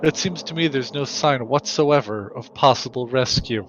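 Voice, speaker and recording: Man playing a bright-edged, haughty young snob. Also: medium pitch, normal speed, lightly acted. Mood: smug, cool. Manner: smug, condescending. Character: cool, haughty, sardonic young man of privilege. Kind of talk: amateur voiced playthrough of a visual novel game. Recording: dull mic with faint background noise.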